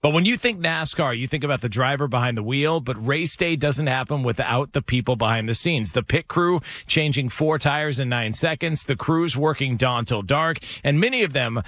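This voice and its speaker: A man hosting a sports radio show, reading results and ad copy in a brisk, conversational way from a studio microphone. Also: medium pitch, animated, a bit bright, no room sound. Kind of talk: reading ads and results on air.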